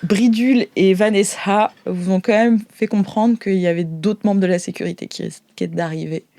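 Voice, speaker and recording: A woman's voice: mid-range voice, fairly even intonation, normal speed, mellow, no room sound. Woman game master, close dry sound. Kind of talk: improvised tabletop game narration.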